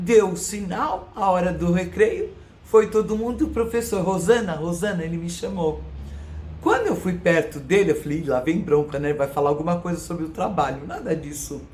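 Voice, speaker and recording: There is audible room echo as a woman speaks at a fairly low pitch in a somewhat breathy voice. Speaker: YouTuber. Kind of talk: personal testimony to camera. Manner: emotional, conversational.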